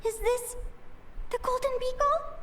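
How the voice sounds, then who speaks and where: A curious young adventurer. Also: female voice, very high voice, unhurried, fairly bright tone, slight background noise. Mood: frightened. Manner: wistful and wondering. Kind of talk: video game voice acting.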